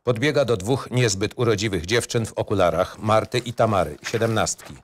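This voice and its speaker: A man's voice: fairly low pitch, a little fast, slight background noise. A man narrating a screenplay in clipped, matter-of-fact phrases.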